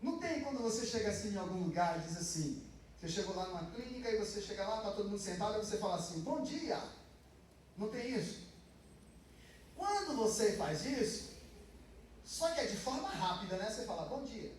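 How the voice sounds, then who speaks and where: A man's voice: sits high, sing-song, fairly quick, a little mellow, far from the mic, slight background noise. A Brazilian Portuguese man preaching a conversational sermon as pastor, acting out quoted blessings. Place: large church hall. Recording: echoey church from afar.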